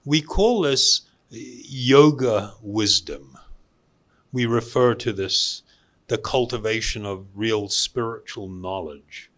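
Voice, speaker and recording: Slow, deliberate man giving a spiritual talk. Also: on the low side, fairly bright tone. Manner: deliberate, with pauses and emphatic repetition. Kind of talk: spiritual lecture to a live audience.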